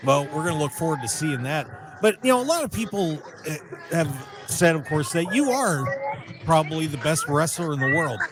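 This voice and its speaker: Male radio host, animated, friendly, poolside with loud music behind. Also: on the high side, normal speed. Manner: friendly, hedging with uh and you know. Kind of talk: radio interview. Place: outdoors by a hotel pool.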